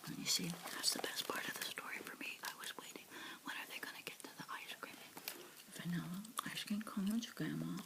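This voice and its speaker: Woman, whispered ASMR storybook reading, low voice, slow doting asides. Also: vocal fry. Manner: slow, soft, doting commentary on the pictures.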